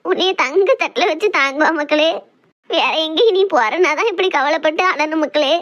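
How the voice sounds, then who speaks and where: A woman's voice: sits high, moderate pace, fairly bright tone, highs cut off. A woman doing a soothing village mother. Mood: consoling. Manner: soothing, consoling. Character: fretting village mother of the bride.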